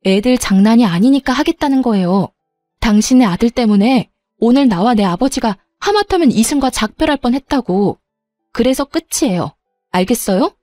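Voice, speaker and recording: An angry young bride-to-be, voiced by a woman narrator speaks sharply and with heat. Her timbre is mellow and warm. The recording is dry and close. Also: on the high side, lively intonation, moderate pace, dry recording, soft background music, close to an everyday voice. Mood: cold. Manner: sharp, heated.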